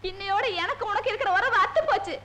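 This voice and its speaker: An actress playing a sharp-tongued, jealous village wife who scolds her husband in a comic film quarrel. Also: quick pace, a little hiss or hum. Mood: scolding. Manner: scolding, shrill. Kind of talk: 1980s film comedy acting.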